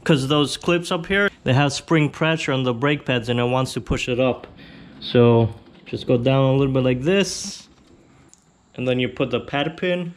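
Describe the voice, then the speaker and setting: A man hosting a casual how-to video, explaining a repair step by step in a relaxed, plainspoken way. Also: medium pitch, moderate pace. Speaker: motorcycle channel host.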